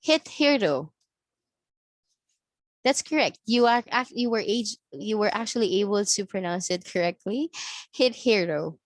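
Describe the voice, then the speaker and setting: A woman language trainer giving an online lesson, reading aloud and instructing in a careful, deliberate manner. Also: mid-range voice, steady tone, dry recording. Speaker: call center language trainer.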